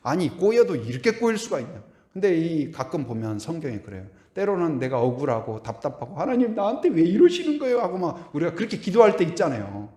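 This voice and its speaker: A man's voice: a little high, big pitch swings, brisk, few pauses, warm tone. A middle-aged man preaching a Sunday sermon as a pastor, building up repeated declarations and acting out little dialogues. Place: church sanctuary. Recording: echoey church room.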